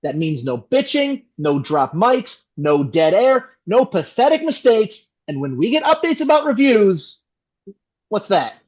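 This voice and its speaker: A high, swooping voice for a 1960s radio host, played by a male actor, full of showy, affable patter with a jerkish edge underneath. The sound is slightly dull and lo-fi. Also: big pitch swings, unhurried, heavily acted. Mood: bossy, irritated. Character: slick, affable 1960s radio host, a crude jerk off air. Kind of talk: 1960s radio announcer acting.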